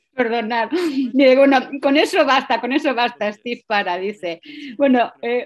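This woman's high voice, varying in pitch in an ordinary way, moves very slowly. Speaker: host introducing a guest teacher. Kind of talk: warm introduction speech. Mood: admiring, warm, light laughter. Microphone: video call.

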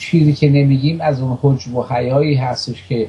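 A man's dark, mellow, somewhat breathy voice at a moderate pace. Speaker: TV commentator. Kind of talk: religious talk to camera. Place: studio.

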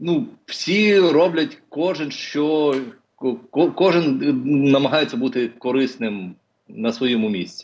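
A man with a Russian accent speaks very slowly, his intonation lively. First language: Russian (speaking Ukrainian). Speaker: film studio director; remote guest. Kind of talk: interview. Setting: Skype video call. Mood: calm, earnest. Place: home room. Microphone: video call.

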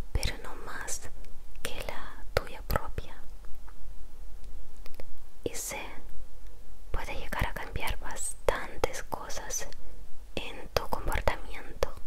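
A soft-spoken woman is whispering at a very slow pace with long, frequent pauses over noticeable background noise. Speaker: ASMR creator. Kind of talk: soft spoken quiz reading. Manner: soft close-mic whisper. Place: home room. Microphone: handheld.

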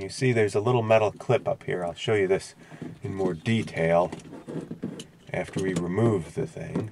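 Speech moves at a moderate pace with long, frequent pauses over noticeable background noise. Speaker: car repair video maker. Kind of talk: tutorial.

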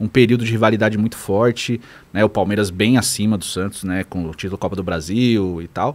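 This is a man talking. His pace is moderate. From Brazil. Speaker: football YouTuber. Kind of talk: casual chat. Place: studio. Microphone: studio mic.

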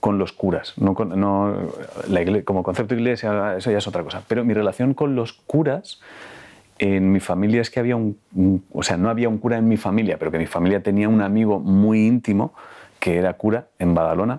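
Against a quiet background, a man talks at a moderate pace in a fairly low pitch, with a dark, mellow tone and ordinary pitch variation. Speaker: interview guest, comedian. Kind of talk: interview answer. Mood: warm, amused storytelling. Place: home room. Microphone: lapel.

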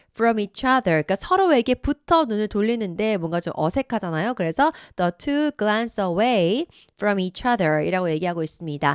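Very wide pitch swings mark this woman's fairly high voice, delivered at a moderate pace with a dry, close sound, no echo, and a very clean recording against a silent background. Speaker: English teacher. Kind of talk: tutorial; reading aloud.

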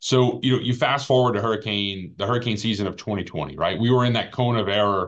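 Very fast speech from a man with a fairly low pitch and ordinary pitch variation, against a quiet background. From coastal Louisiana. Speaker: local elected official. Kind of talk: panel discussion. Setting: video call. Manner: repetitive stammering. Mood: earnest, serious. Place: office. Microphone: webcam.

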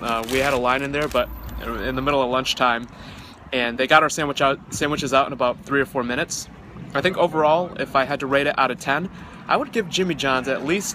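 Talking very fast, a man uses ordinary pitch variation. The sound is dry with no echo, with light background noise. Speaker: food reviewer. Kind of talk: casual vlog review. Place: street. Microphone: phone near.

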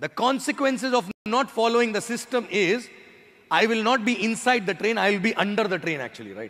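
Against a quiet background, a man talks at a fairly quick pace. His voice is high in pitch, with a bright, sharp tone. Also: ordinary pitch variation. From India, Jabalpur, Madhya Pradesh; Madhya Pradesh, India. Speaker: network marketing leader; motivational speaker. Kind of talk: motivational talk. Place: hall. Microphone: handheld.

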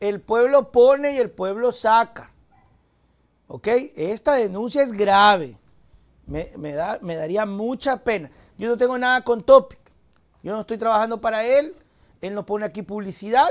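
A man speaks at a fairly slow pace with long, frequent pauses. His pitch is high, with ordinary variation, and the background is quiet. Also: big swings in loudness. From Ecuador. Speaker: political commentator host. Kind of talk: commentary. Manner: animated, sarcastic, joking; conversational, rhetorical, addressing audience. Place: studio. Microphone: lapel.

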